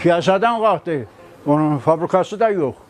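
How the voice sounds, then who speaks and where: A man's high-pitched, lively voice at a fairly slow pace, with noticeable background noise. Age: 80s+. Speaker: shopkeeper. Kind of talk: interview answer.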